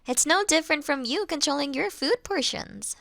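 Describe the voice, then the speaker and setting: A woman performs a polite vampire girl, forever young in looks, for an audio roleplay. Her voice sits fairly high and is recorded very dry, with no room sound. She talks in a gentle, conversational, mildly wry way, as if putting a nervous guest at ease. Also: lively intonation, moderate pace, gravelly, dry recording, exaggerated voice. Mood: reassuring, businesslike. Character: childlike-looking ancient female vampire, polite, reassuring, mildly wry. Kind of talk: scripted audio roleplay addressed to the listener.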